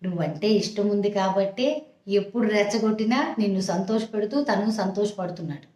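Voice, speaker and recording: A woman's voice: mid-range voice, fairly quick, a little mellow. A woman giving frank relationship advice to young wives in a motherly way, often checking that listeners understand. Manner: motherly, addresses listeners as "amma". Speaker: advice channel host. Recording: echoey room.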